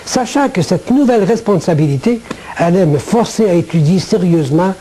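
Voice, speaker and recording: A man from gives a religious testimony in a measured, formal way, like a prepared monologue. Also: high voice, lively intonation, dark tone, slightly rough. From Quebec, Canada. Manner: measured, formal, literary phrasing.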